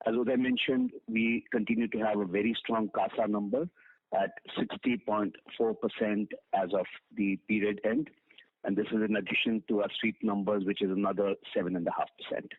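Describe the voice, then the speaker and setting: Gravelly Indian-accented man on a phone line. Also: fairly low pitch, brisk, no echo. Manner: matter-of-fact, reading out figures with hesitations. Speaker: bank finance executive. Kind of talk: formal financial results briefing. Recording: narrow tinny phone conference line.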